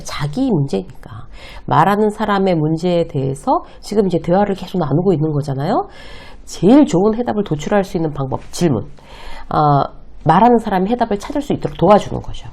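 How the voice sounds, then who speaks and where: A woman's voice: lowish voice, very animated, fast, a little mellow. A middle-aged woman giving a lecture on workplace communication, explaining point by point and acting out short example lines. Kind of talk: lecture to camera.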